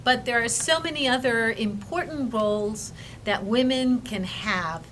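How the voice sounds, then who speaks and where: A woman's voice: a little high, a little slow, a bit bright, a little hiss or hum, low-quality recording. A woman hosting an interview segment, upbeat, posing long framing questions to her guest. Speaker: interview host. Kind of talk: talk show hosting. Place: studio.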